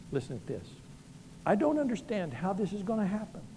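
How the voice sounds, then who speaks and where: A man with an American accent speaks in a dark, mellow tone, with audible room echo around him. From US South. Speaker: pastor. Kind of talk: sermon.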